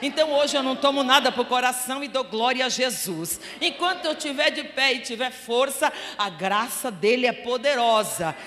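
A woman missionary with a Brazilian accent preaching a sermon fervently, her voice swelling to loud exclamations. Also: high-pitched, expressive, moderate pace, few pauses, a little hiss or hum. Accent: Brazilian Portuguese. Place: church hall. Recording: echoey church hall.

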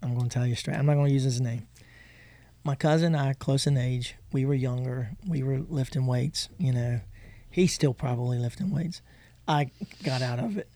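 A man with a high voice co-hosting a casual Christian podcast, telling stories with emphatic agreement. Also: normal speed, no echo. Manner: animated storytelling, emphatic agreement. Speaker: podcast co-host.

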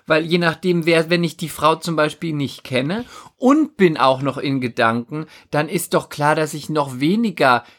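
A woman's voice: low voice, normal speed, hardly any pauses. A woman co-hosting a podcast in casual chat, with dry, teasing banter. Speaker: podcast co-host.

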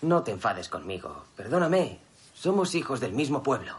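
A man's voice: mid-range voice, very animated, normal speed, lightly acted. A man playing an impulsive young villager. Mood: sheepish. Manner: sheepish, grumbling.

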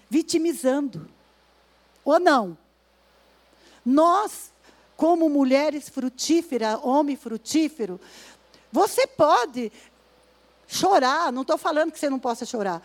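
Woman preacher, high voice, slow weighty scripture reading, mimics complainers. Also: lively intonation. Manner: acts out complaining voices in asides. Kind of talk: sermon at a women's service.

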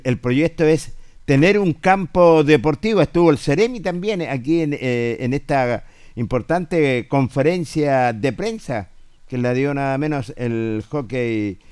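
A man with a Chilean accent co-hosting a casual sports radio show, speaking haltingly and repeating himself. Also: mid-range voice, a little mellow, clear, resonant tone, no room sound, studio quality.

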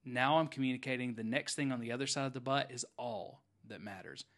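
A man, a podcast host and former student pastor, chatting casually and telling animated stories, often tagging "right?" or "okay?" onto his points. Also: mid-range voice, fairly quick. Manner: animated storyteller, frequent "right?" and "okay?" tags. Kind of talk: casual chat.

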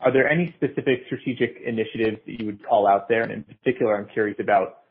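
A husky-voiced man, an analyst politely asking questions on an earnings call over a thin line. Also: on the low side, quick pace. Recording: tinny, phone-like call line.

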